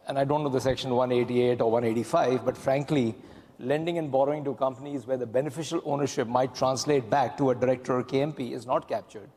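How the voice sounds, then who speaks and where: Brief: male panelist, candid and mellow-toned, in an echoing conference hall. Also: mid-range voice. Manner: candid, frank opinions. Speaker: panelist, investment executive. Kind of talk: panel discussion. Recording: long hall reverb.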